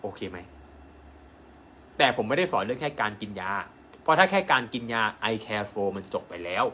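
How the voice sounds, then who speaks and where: Bright-voiced male doctor, emphatic live-stream pitchman who keeps asking the audience questions, with faint room noise. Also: normal speed. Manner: animated and emphatic, asks viewers rhetorical questions. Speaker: acupuncture doctor selling an online course.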